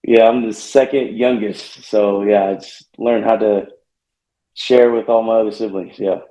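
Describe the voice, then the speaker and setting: A young man from Northern California, a college football player answering interview questions, soft-spoken and hesitant with many fillers. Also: on the low side, steady tone, measured pace. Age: young adult. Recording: echoey, muffled remote call line.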